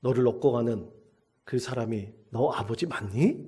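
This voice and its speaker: A man's voice: mid-range voice, moderate pace, warm tone, husky. A man doing a teasing old friend. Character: teasing male friend of the father.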